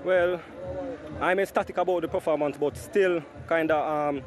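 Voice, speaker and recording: A young footballer answers questions just after a match, speaking hesitantly with pauses and fillers. His voice sits slightly high, caught on a handheld mic outdoors at the stadium. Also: fairly even intonation. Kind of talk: post-match interview.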